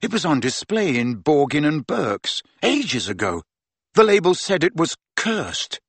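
A man's voice: a little high, sing-song, a little slow, breathy edge, no room sound, full character voice. A man voicing an earnest, brave teenage boy who speaks urgently in an audiobook story. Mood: tense.

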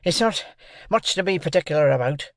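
A reader voicing a decisive, brusque army sergeant who barks loud commands. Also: medium pitch, expressive, brisk, no echo, clean studio sound, voice pushed up, close to an everyday voice. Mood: commanding.

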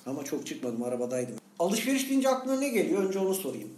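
Jokey higher-voiced man in a roomy space. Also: very animated, fast, darkish tone. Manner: jokey, teasing, colloquial with slangy exclamations. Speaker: podcast co-host. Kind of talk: casual banter with a friend. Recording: roomy, echoing room sound.

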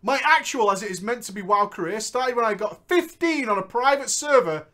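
A man hosting a comedic show, reading viewer stories aloud and bantering with a co-host, laughing often and jumping between loud bursts and quiet asides. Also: sits high, lively intonation, brisk.

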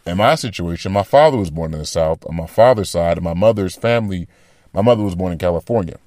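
Podcast host, man, deep voice, loose thinking-aloud monologue, dead dry mic. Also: quick pace, a little mellow, no echo. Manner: rambling, thinking aloud with restarts. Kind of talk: casual commentary monologue.

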